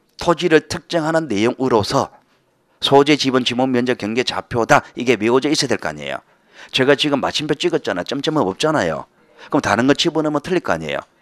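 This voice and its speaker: A man speaks at a very fast pace with a medium pitch and vocal fry. The sound is dry and close, without echo. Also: lively intonation. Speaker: exam prep lecturer. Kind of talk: lecture. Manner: animated.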